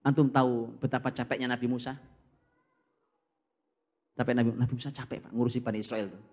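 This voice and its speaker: A man preaching from scripture, lively and direct, who often turns to his listeners and acts out little dialogues. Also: mid-range voice, a little fast. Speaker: Islamic preacher. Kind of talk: Quran study talk.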